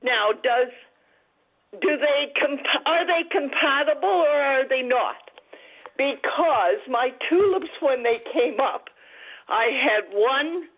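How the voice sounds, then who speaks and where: A woman calling in to a radio show on speakerphone, telling her story haltingly with many pauses. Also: sits high, lively intonation. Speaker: radio call-in caller. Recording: tinny speakerphone line, somewhat distant.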